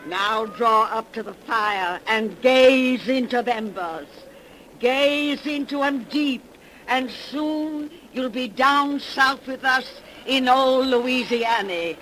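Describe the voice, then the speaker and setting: A woman's voice: high voice, a bit bright. An actress playing a gleeful witch of a hundred and three in a 1930s radio horror show, folksy and sinister with an aged cackling voice. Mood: eerie, inviting. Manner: slow, drawn-out, folksy and sinister. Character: gleeful ancient witch, a hundred and three, telling ghost stories. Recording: noisy 1930s radio broadcast.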